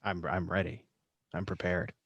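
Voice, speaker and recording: An American man chatting casually as a podcast guest, halting and jokey with a self-deprecating manner. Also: low voice, little pitch movement, fairly bright tone, no room sound, lo-fi sound. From Minnesota, United States. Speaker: podcast guest, audio drama creator. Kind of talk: casual chat. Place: living room.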